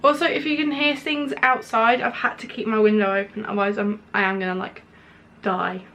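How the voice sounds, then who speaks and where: A woman's voice: medium pitch, steady tone, brisk, sharp tone, a little hiss or hum. A young woman chatting her way through a makeup review. She sounds nasal and stuffed up, with a sore throat from hay fever, and fills her talk with lots of "like"s. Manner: chatty, rambling, many filler "like"s. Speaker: beauty vlogger. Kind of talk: casual product review while applying makeup. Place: indoors at home, window open.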